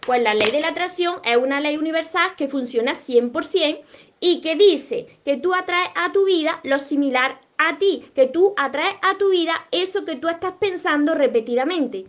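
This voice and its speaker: A woman's voice: sits high, normal speed, fairly bright tone. A woman with a Spain Spanish accent talking on a live stream, earnestly explaining ideas straight to her viewers. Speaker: self-help author and live streamer.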